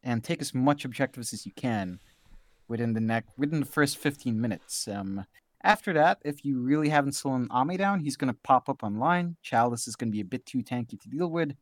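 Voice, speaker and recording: A man from Southeast Asia with a Southeast Asian English accent, giving relaxed, analytical esports color commentary. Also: mid-range voice, fairly quick, dry recording. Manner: relaxed, easily amused, thinking aloud. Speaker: esports co-caster.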